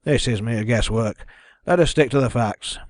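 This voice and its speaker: A man's voice: medium pitch, normal speed, dry recording, close to an everyday voice. A man voicing a sceptical, exasperated policeman who bluntly demands facts in an audiobook mystery. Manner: blunt, challenging.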